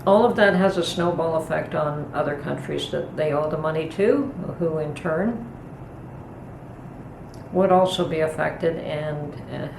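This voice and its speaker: A middle-aged woman hosting a homestead vlog, chatting calmly and thoughtfully from her home kitchen. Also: sits low, vocal fry. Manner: calm, unhurried, thoughtful with pauses. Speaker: homestead channel host. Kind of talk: casual kitchen vlog chat. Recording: echoey room with noticeable background noise.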